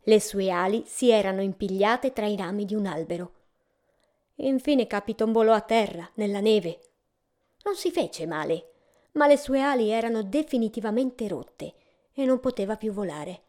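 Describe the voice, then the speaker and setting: A woman gently narrating a fairy tale in a measured storytelling way. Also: mid-range voice, animated.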